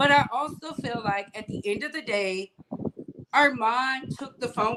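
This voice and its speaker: Speaking fairly slowly, a woman uses a high pitch and lively intonation. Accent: American. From New York. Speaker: YouTube commentary host. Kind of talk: live call-in show. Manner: casual.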